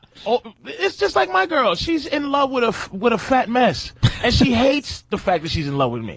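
A man with an American accent speaks at an extremely high pitch. His pitch swings very widely over noticeable background noise. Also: moderate pace. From Boston. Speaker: comedian. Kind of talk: casual chat. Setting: studio.

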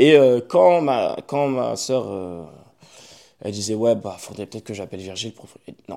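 Long, frequent pauses break up a man's fairly slow speech. His medium-pitched voice shows big swings in loudness. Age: 30s. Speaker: street workout athlete. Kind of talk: casual chat. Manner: animated.

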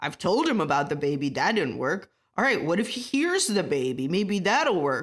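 Vocal fry runs through a woman's animated delivery. Her pitch swings very widely at a moderate pace. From Ukraine. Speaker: podcast co-host recapping reality TV. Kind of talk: casual comedic chat. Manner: animated, laughs often.

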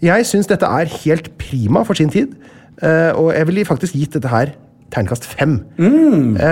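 A man speaks fairly slowly at a fairly high pitch. His pitch swings very widely while his loudness stays very even. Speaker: podcast co-host. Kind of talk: casual chat.

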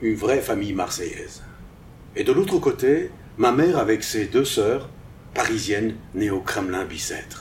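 Leaving long, frequent pauses, a man speaks fairly slowly. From Armenia (Yerevan), later France. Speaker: playwright and actor. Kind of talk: interview.

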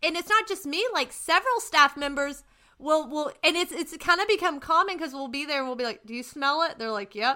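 In a Texas accent, a woman speaks with a raised, projected voice at a high pitch, her tone bright and sharp. Her intonation is lively, her loudness swings widely, and she leaves hardly any pauses. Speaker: podcast host. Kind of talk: casual chat.

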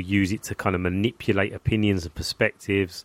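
With an English accent, a man speaks in a fairly low pitch with a dry, close sound with no echo. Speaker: football blogger. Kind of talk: casual chat. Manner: halting.

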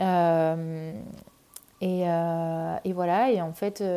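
Here a woman speaks at a medium pitch with a dark, mellow tone. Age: 30s. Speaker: pharmacist and military spouse. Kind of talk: casual interview. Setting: remote recording. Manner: hesitant, many fillers.

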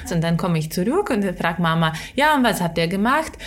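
The voice swings very widely in pitch, with audible room echo around it. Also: woman. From Ukraine. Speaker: podcast co-host. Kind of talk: casual chat.

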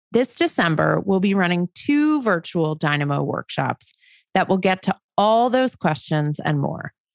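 With a dry, close sound and no echo, a woman in a normal speaking voice talks at a moderate pace, her pitch fairly low and her intonation lively. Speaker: podcast co-host. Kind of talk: casual chat.

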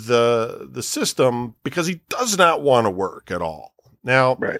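A man talks at a fairly slow pace with very wide pitch swings. The sound is dry and close, with no echo. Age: 50s. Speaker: podcast host. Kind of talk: casual chat. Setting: studio.

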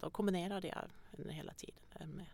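Whispering, a woman speaks at a fairly quick pace. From abroad, came to Sweden as a doctor. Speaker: anaesthetist and doctors' union chair. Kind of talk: interview. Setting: podcast studio.

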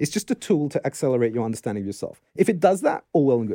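A man speaks very fast in a southern English accent, his tone dark and mellow with very wide pitch swings. The sound is dry and close with no echo, on a very clean recording with a silent background. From England (London). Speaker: rabbi and author. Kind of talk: casual interview conversation.

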